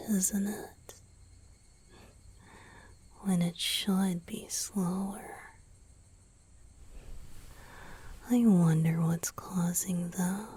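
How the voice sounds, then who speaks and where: A woman voicing a gentle, teasing, affectionate young male vampire boyfriend in a breathy, intimate ASMR roleplay. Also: lowish voice, slight background noise. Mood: softly teasing. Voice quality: breathy, mostly whispered. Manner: slow, intimate, soothing, softly teasing.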